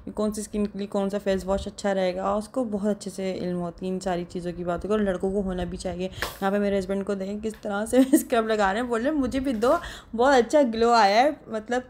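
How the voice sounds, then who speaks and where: A woman's voice: medium pitch, fairly even intonation, fast talker, hardly any pauses, darkish tone. A young woman, narrating a casual vlog voice-over in a chatty, rambling way and laughing often. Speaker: vlogger.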